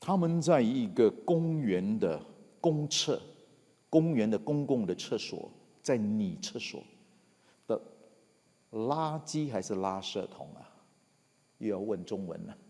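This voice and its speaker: A man speaks at a very slow pace with long, frequent pauses and a dark, mellow tone. His pitch swings very wide and his loudness shifts a lot. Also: medium pitch for a man. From Malaysia, Sarawak. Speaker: pastor. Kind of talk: sermon. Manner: animated.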